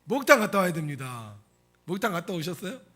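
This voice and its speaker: A male pastor preaching a sermon in a church in animated storytelling style, often asking the congregation questions, with a raspy voice. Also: sits high, fast talker, faint music behind. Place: church sanctuary.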